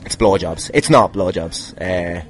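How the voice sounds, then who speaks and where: A man's voice: sits low, unhurried. A man with an Irish accent telling casual, rambling anecdotes as a podcast host, jokey, sweary and self-deprecating. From Ireland. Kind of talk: casual rambling anecdotes answering fan questions.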